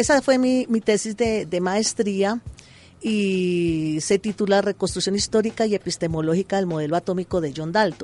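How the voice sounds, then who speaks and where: A woman speaks at a medium pitch and moderate pace, the sound dry and close with no echo. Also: ordinary pitch variation. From Colombia, Cundinamarca (rural Cogua). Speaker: science teacher. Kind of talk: radio interview. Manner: halting, with frequent repetitions.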